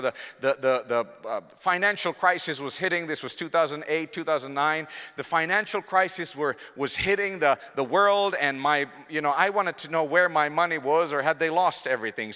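A man's voice: fairly high pitch, clean tone. A man in his thirties with a Finnish accent, preaching a conversational sermon with handheld-mic storytelling and asides to the congregation. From Finland. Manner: animated, conversational, gesturing, jokes with the congregation. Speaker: guest preacher. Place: large church stage before a congregation. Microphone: handheld microphone. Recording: long reverb of a large church hall.

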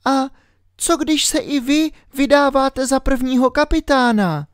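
A man voicing a curious, brave little girl who calls out in a high childlike voice. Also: smooth, dry recording, studio quality. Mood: cautious.

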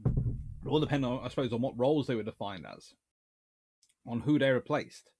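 Reading viewer comments on his casual livestream, a man in his thirties who hosts a naval history channel answers in a mid-range, breathy voice at a moderate pace. He's animated and rambling, starting over often and using many fillers, all from a small book-lined home study.

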